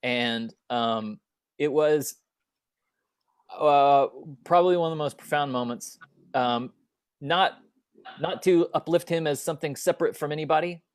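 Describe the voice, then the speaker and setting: A man telling a personal story as a guest speaker at an online talk, halting with many fillers and restarts, over a video call. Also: mid-range voice, dry recording, clean studio sound.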